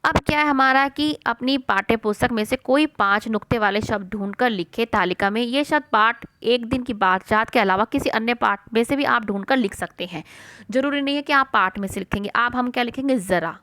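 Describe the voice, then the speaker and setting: A woman teaching a worksheet lesson to children. She asks and answers her own questions and repeats words slowly for pronunciation. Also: fairly high pitch, a bit bright, no echo.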